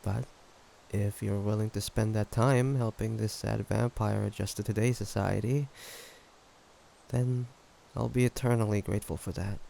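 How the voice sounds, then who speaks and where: A man acts out a brooding yet gentle ancient male vampire in an intimate audio drama. The voice is low and full of gravelly creak. He talks very slowly and pensively, halting as if weighed down by guilt. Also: slight background noise, low-quality recording. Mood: tender, grateful. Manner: halting, soft-spoken, pensive with sighs. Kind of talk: slow, intimate audio roleplay acting.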